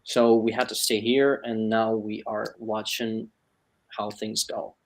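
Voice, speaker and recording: A man's voice: on the low side, level tone, slow. A man from Ukraine with a Ukrainian accent, giving a conversational personal account as an interview guest. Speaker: panel guest.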